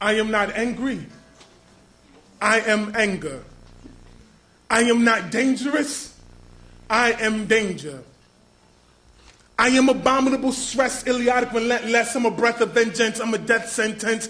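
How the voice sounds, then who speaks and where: A man with an American accent speaks in an extremely high, raised, projected voice with an intense tone. His pace is fairly slow and his intonation fairly even, with long, frequent pauses. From Rochester, New York. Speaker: poet, writer, activist, educator. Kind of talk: spoken word poetry performance. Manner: intense, riveting.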